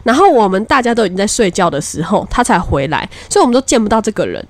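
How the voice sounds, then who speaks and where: A woman's voice: mid-range voice, fast. A young woman, co-hosting a podcast in casual chat and speaking directly to listeners. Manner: expressive, addresses listeners directly. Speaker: podcast co-host.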